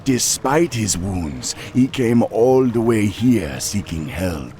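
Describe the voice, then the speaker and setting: A man voicing a wiry troll tribal leader in a video game, deliberate and animated, with a gravelly voice. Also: on the low side, slight background noise. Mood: concerned. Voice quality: gravelly, creaky. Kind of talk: video game cutscene acting.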